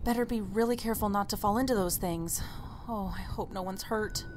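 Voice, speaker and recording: A woman's voice: medium pitch, fairly quick, a little hiss or hum, close to an everyday voice. A woman playing a caring, concerned townswoman in an audio drama.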